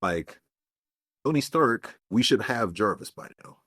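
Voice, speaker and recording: A man with a very deep voice co-hosts a casual podcast. He talks in a relaxed, storytelling way and often quotes other people. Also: a little slow, slightly rough, dry recording, clean studio sound. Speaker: podcast co-host. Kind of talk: casual chat.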